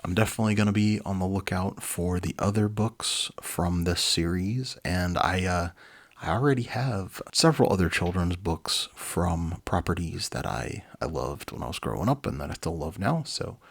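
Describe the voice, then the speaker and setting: Deep, husky man reading a storybook. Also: normal speed. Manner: easygoing, informal. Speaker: storybook reader and presenter. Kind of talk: dramatic reading with casual asides.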